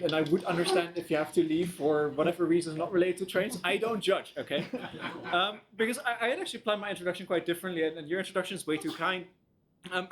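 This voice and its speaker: A young man giving a conversational guest lecture in a university room, wry and self-deprecating, pausing on frequent "um"s. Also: a little high, a bit bright.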